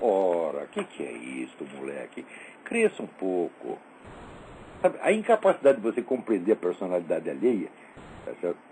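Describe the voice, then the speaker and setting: This man talks at a moderate pace, with long, frequent pauses and big swings in loudness. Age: 60s. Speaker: philosopher and radio host. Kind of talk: opinion monologue. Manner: animated.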